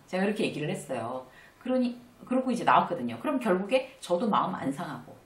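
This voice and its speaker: A middle-aged woman giving a casual lecture on workplace life, acting out small dialogues as she goes. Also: medium pitch. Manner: conversational, acts out little dialogues with animated asides. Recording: roomy, slightly distant mic.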